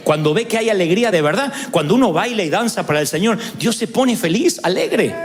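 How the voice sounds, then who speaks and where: A man preaching a sermon, telling stories and rising to shouted calls to celebrate. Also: high-pitched, animated, brisk, big-room sound. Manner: storytelling, building to shouted exhortation. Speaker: pastor.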